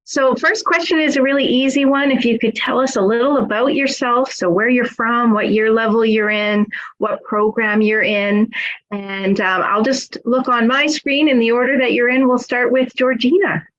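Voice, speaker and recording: A woman's voice: a little high, fairly even intonation, normal speed, fairly bright tone, lo-fi sound. A woman moderating an online student panel in a friendly, encouraging way. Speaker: webinar moderator.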